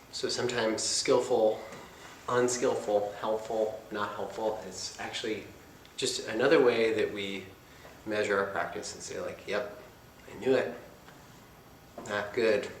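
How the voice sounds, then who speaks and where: A man with a lowish voice gives a dharma talk at a meditation center, soft-spoken and reflective, with casual asides. The sound has the roomy echo of a hall, with a faint hum of ambience underneath. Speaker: meditation teacher.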